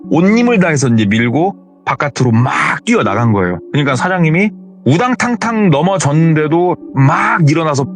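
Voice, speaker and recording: A man animatedly retelling a scary true story in a dramatic way. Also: mid-range voice.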